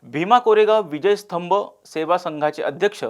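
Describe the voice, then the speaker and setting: A male news anchor reading scripted news in a steady, formal delivery. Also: sits high, moderate pace, background noise.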